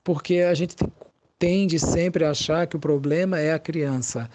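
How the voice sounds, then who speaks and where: A Brazilian man, a psychologist being interviewed, gives conversational explanations in a thoughtful, halting way, searching for his words. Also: a little high, fairly even intonation, background noise.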